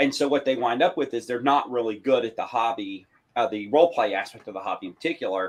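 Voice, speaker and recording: At a fairly quick pace, a man speaks in an unremarkable speaking voice with a medium pitch. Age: 30s. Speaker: tabletop game master. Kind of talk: casual chat.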